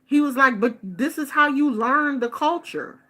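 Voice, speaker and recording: A middle-aged woman from the United States telling a casual story in a chatty, expressive way, acting out the people she quotes. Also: high-pitched, measured pace. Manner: chatty, expressive, animated quoting of others. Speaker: vlogger. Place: Bay Area.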